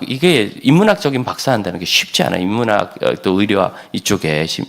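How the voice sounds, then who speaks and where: A middle-aged male pastor preaching a sermon in a church, animated and humorous, often jumping up to high exclamations. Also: vocal fry. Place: church sanctuary.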